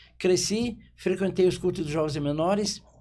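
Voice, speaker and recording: With a dark, mellow tone, a man speaks at a moderate pace and ordinary pitch variation. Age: 70s. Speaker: pastor. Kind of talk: interview.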